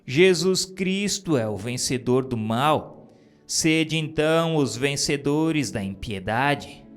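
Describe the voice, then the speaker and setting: Male reader, solemn and declamatory, very slow, with a lively rising and falling pitch, over soft music. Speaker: reader of spiritist texts. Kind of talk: slow solemn reading of dictated messages. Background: soft background music.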